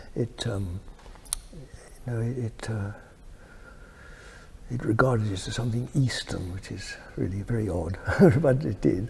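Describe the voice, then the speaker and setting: Against noticeable background noise, a soft-spoken man at medium pitch talks at a fairly slow pace with ordinary pitch variation and long, frequent pauses. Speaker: meditation teacher. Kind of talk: interview answer.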